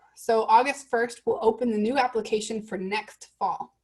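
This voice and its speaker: A woman with an American accent has a fairly high, somewhat breathy voice. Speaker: university admissions officer. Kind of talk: presentation with Q&A. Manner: fast.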